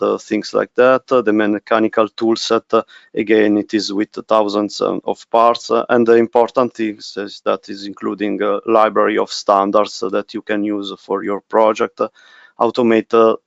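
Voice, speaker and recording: A man with an Italian accent giving a webinar presentation, halting and full of fillers, over muffled call audio. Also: on the low side, vocal fry, no echo. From Italy. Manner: hesitant, many fillers. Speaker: technical specialist presenting.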